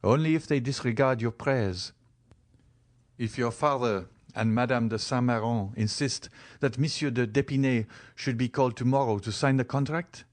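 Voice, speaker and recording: A man's voice: medium pitch, normal speed, close to an everyday voice. A man voicing an ardent young lover who speaks earnestly and fervently in an audiobook reading.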